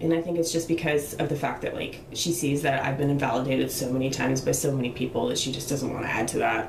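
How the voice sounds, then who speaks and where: Very fast speech with hardly any pauses and fairly even intonation comes through noticeable background noise. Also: woman, very deep, low pitch for a woman. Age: 30s. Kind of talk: casual comedic rant to camera. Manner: rambling, casual.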